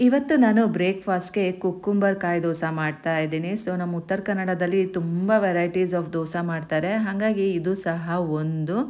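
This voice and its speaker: This woman uses an ordinary speaking voice pitched fairly low. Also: fairly even intonation. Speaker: home cook vlogger. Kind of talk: cooking tutorial. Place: kitchen.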